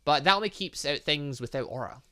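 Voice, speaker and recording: A man giving animated let's play commentary on a video game, reading dialogue aloud and adding sarcastic asides. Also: on the high side, brisk. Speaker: gaming channel host.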